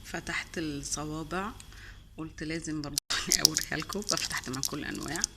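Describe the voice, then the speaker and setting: A woman's voice: sits low, brisk, very noisy. A woman with an Egyptian Arabic accent chatting casually on her vlog as she tastes sweets, gushing and repeating words for emphasis and sprinkling in English and French words. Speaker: vlogger. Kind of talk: casual taste-test chat.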